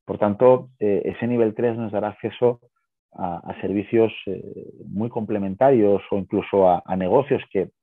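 A man talks on a thin, phone-like video call. His voice sits fairly low and is notably husky, with very little room around it. He explains things conversationally, punctuating them with little checking questions. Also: moderate pace, no echo. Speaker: guest, pet-business co-founder.

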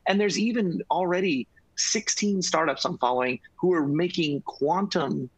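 A middle-aged man speaking energetically on a video call panel, quick and restarting his words often. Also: fairly high pitch, slightly rough, dry recording, rough recording. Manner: energetic, repeats words, gestures with hands. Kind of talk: fast, enthusiastic panel discussion. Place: home studio room.

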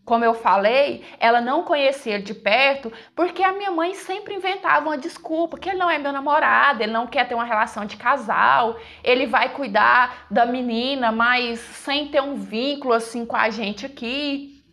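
A woman's voice: sits high, normal speed, a bit bright. A woman telling a dramatic first-person story in an emotional, conversational way, speaking to her listeners directly.

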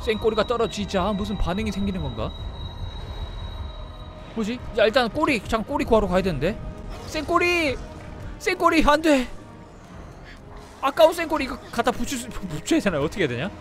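Casting note: high-pitched, lively male gamer, yelling play-by-play over game music. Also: a little fast, long pauses. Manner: shouts and exclaims, talks to the game creature. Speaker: game streamer. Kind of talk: excited gameplay commentary.

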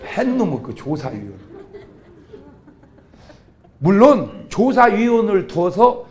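Lively, animated Korean pastor man. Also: high voice, slow, crowd noise. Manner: animated, acts out couples' quarrels in sudden loud outbursts. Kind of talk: humorous revival sermon.

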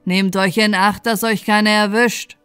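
A woman voicing a gruff, gloomy village blacksmith in a fairy tale, blunt and loud. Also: medium pitch, little pitch movement, measured pace, faint music behind, close to an everyday voice.

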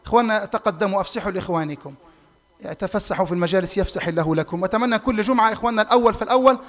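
A man giving a Friday sermon in a mosque in colloquial Egyptian Arabic, swinging between loud emphatic peaks and soft asides. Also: sits high, rapid-fire. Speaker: preacher. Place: mosque hall. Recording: reverberant mosque hall livestream.

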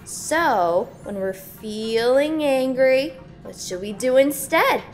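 A woman's voice: high voice, animated, takes it slowly, soft background music. A woman playing a saccharine, domineering group counselor in an audio drama, lecturing emphatically like a patronizing schoolteacher. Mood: patronizing, insistent.

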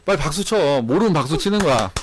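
A man in his thirties streaming live from a small room on a headset mic, loud and excitable, often laughing. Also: on the high side, fast, very noisy. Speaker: game streamer. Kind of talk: casual live-stream chat.

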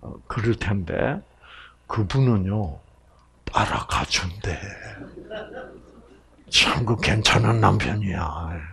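A man's voice: on the low side, unhurried, vocal fry. A middle-aged man giving a health lecture to an audience, acting out quoted voices. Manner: animated, acts out quoted voices.

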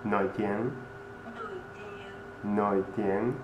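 Slow-speaking man with a Japanese accent. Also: fairly low pitch, flat delivery, music in the background. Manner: careful, deliberate enunciation of a learned language. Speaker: presenter of a language channel. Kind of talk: scripted presentation with rehearsed phrases. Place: indoor room with green screen. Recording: roomy, slightly dull, faint noise.

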